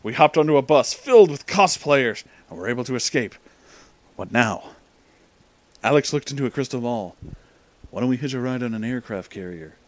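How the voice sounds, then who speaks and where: A man's voice: mid-range voice, lively intonation, moderate pace, no echo. A man hosting a casual comic read-aloud, informal and amused, with asides to the listener. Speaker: reader and host of a story-reading show.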